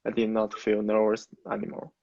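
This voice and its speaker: A young man from China with a Mandarin Chinese accent, a native Mandarin speaker answering interview questions as a university student in halting, non-native phrasing. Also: fairly low pitch, monotone, vocal fry, warm tone, lo-fi sound, slight background noise. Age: young adult.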